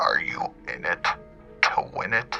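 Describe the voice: Booming over faint background music, a man puts on a character voice with low pitch, a bright, sharp tone, vocal fry and big pitch swings. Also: fairly slow pace.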